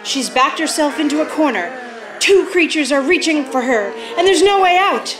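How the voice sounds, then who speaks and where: A woman's voice: sits high, lively intonation, normal speed, poor audio. A woman in her thirties giving dramatic scripted narration for a radio play on a stage. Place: theater stage. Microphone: stand microphone. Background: loud music.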